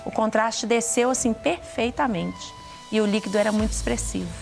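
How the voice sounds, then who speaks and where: Earnest Brazilian woman, slightly gravelly voice. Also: fairly high pitch, a little mellow, soft background music. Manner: earnest, halting, with many restarts. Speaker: guest giving a testimony. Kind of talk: emotional personal testimony.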